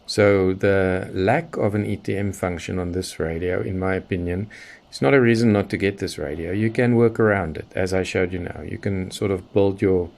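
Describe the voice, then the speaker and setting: A middle-aged man from Southern Africa, a shortwave radio hobbyist, presents an unscripted hands-on product demonstration as a tutorial. He's methodical, explaining each step as he goes. His voice is low, steady and darkish with vocal fry, at a moderate pace.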